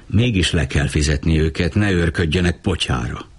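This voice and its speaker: A defiant young Roman Jew, voiced by a man reading an audiobook, answering in short, curt bursts. The voice sits extremely low and sounds husky and rough. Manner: terse, curt replies. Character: young Jewish man from Rome, blunt and defiant.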